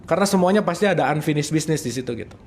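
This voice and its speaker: Lively high-voiced man teaching. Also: racing, slight background noise. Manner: playful, lively, asks the audience often. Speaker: religious teacher. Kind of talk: casual religious study talk.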